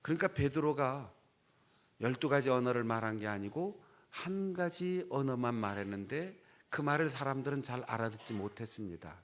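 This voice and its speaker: Expressive middle-aged male pastor preaching. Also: moderate pace. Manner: expressive preaching, swinging from loud emphasis to low, hushed asides; folksy, acts out dialect quotes for humor. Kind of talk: sermon.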